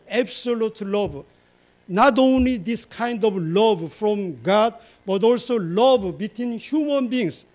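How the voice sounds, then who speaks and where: A man preaching a sermon slowly, repeating words and phrases for emphasis and stringing long lists together. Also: sits high, a little mellow. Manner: fillers and restarts, lists in long chains. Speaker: pastor.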